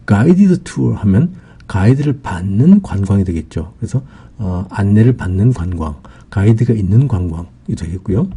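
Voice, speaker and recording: A man's voice: on the low side, mellow, husky. A man giving an English vocabulary lesson, explaining patiently with many fillers.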